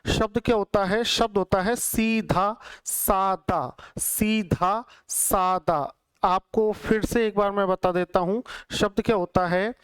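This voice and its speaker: A man's voice: sits high, fairly even intonation, normal speed, few pauses, clear, resonant tone. A male Hindi teacher with a Rajasthani accent lectures students, repeating each word and quizzing them on the correct form. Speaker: Hindi exam-prep teacher. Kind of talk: classroom lecture.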